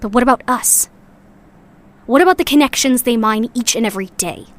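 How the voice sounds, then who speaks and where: Woman acting high-voiced, earnest underground sci-fi woman. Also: lively intonation, a little fast, natural voice. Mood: doubtful, frustrated. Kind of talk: audio drama monologue.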